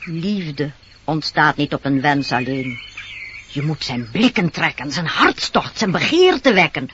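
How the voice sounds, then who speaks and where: A woman's voice: deep voice, very animated, a little slow, a bit bright, exaggerated voice. An actress in a Dutch radio play voicing a scheming peddler woman who coaxes and wheedles insistently. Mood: sly, persuasive. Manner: wheedling, insistent sales patter. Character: disguised scheming peddler woman, coaxing and sly. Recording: dull noisy old radio recording.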